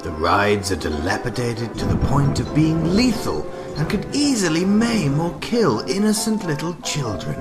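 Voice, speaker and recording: Swooping, gleefully mad villain. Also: male voice, on the high side, very animated. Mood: sardonic. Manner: flamboyant, sardonic, drawn-out. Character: gleefully mad theatrical male villain, mock-courteous. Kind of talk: dramatic radio drama acting. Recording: music behind the voice.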